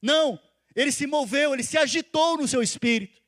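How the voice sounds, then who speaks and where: High-voiced pastor preaching. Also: male voice, brisk. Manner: swings between loud emphatic calls and soft intimate asides; asks the congregation questions and repeats phrases for stress. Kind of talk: sermon.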